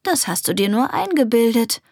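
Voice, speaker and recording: A woman voicing a playful, purring little butterfly-puppy creature in a storybook reading, with a slightly breathy voice. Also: on the high side, sing-song, moderate pace, a little mellow, dry recording, studio quality. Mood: cheeky. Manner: purring, cheeky.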